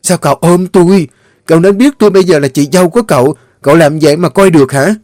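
A man's voice: mid-range voice, no room sound, clean studio sound, pitched above the performer's own voice, lightly acted. A man playing a fiery young wife. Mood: indignant. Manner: sharp, indignant, fast retorts. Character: spirited young wife, daughter-in-law of a rich house.

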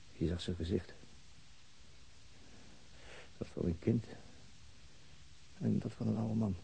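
A man's voice: low voice, vocal fry, dark tone, rough recording. Stoic policeman, faint hiss. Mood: quiet, bleak. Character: determined, stoic policeman set on acting alone. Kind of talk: Dutch radio drama dialogue.

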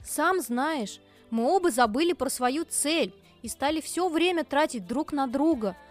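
A woman voicing a guarded, earnest young woman gamer in a dramatized audiobook, speaking in a measured, firm way. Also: high voice, lively intonation, soft background music. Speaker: voice actor in an audiobook.

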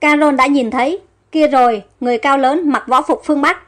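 A woman narrating an audio story in a steady, expressive way. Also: high voice, a little fast.

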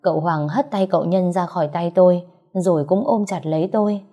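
A woman narrating an emotional first-person love story in a soft, heartfelt way. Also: fairly low pitch, fairly quick. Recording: slightly muffled, soft background music.

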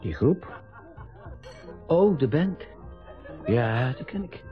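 A man's voice: medium pitch, expressive, extremely slow. An actor playing a forgetful, hesitant father in his sixties in a naturalistic radio drama. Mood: vague. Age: 60s. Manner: hesitant, vague, short answers. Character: forgetful, hesitant retiring father, fond of trains. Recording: dull lo-fi radio recording with music.

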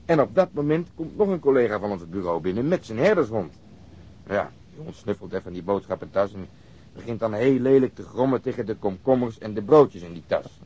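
Low, husky sardonic police detective. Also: male voice, lively intonation, a little fast, mellow. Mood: amused, storytelling. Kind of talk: Dutch radio drama acting. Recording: muffled radio drama recording.

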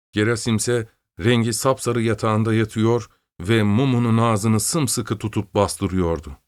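A man narrating an audiobook in a measured, even storytelling manner. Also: fairly low pitch, clean tone, dry recording.

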